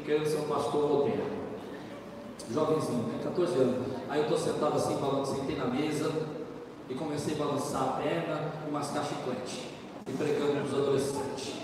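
A man preaching a sermon, telling funny personal stories with animated swings between loud excitement and quiet earnestness. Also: on the high side, background noise. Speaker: pastor. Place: church hall with congregation. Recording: echoey church hall, mic from a distance. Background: congregation laughing.

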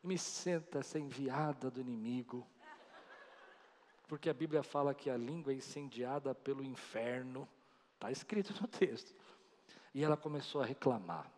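A man's voice: mid-range voice, a little mellow. A man preaching a sermon, telling stories with animation and acting out the voices of others. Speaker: pastor. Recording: long reverb of a large hall.

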